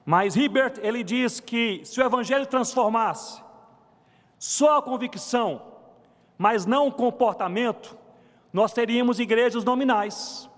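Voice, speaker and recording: A man preaching a sermon to his congregation, telling a story and swinging between soft and emphatic delivery. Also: very high-pitched, measured pace, in a large hall. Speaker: pastor. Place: church sanctuary.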